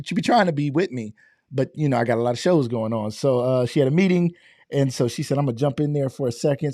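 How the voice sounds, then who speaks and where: A middle-aged man hosting a live online show, slightly hoarse from losing his voice, talking in an upbeat, chatty way and greeting viewers by name. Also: mid-range voice, mellow, dry recording, studio quality. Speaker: host.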